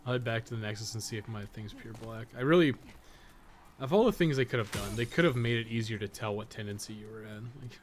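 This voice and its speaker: A man's voice: on the low side, quick pace, slight background noise. A man giving casual, profane live game commentary, chatting informally and often muttering to himself as he plays. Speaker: gaming podcast co-host.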